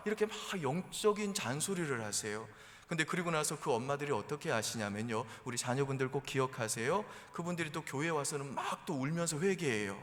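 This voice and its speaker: A male pastor preaching in a relaxed, conversational storytelling way. His voice sits at an ordinary middle pitch. It rings out with long reverb in a church sanctuary. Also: brisk, hardly any pauses. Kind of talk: sermon.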